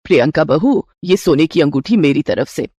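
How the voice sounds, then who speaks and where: Woman doing a low calm mother-in-law in a cartoon, soothing and reassuring, dry close sound. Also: normal speed, husky, dry recording. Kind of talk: cartoon storybook voice acting.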